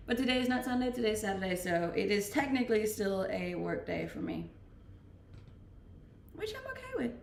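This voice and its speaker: A woman's voice: a little high, normal speed, slight background noise. A young woman from Denmark, a native Danish speaker, casually answering chat questions on a live stream, reading each question aloud before replying. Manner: relaxed, reads questions aloud then answers. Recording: roomy, distant-mic home stream.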